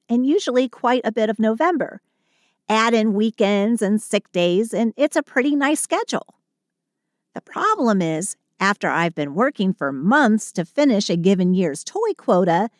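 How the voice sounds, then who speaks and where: A woman plays a sweet, sulky female Christmas elf in an intimate audio roleplay. Her delivery is very slow and close, with a dry sound free of room. She complains with theatrical sarcasm while staying affectionate toward her partner. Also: medium pitch, no echo, close to an everyday voice. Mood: matter-of-fact, fond. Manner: dramatic, sardonic, affectionate venting. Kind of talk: scripted audio roleplay monologue.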